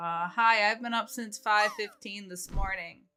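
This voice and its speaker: Bright and sharp in tone, a woman speaks at a fairly slow pace. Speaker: video game streamer. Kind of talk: casual livestream chat.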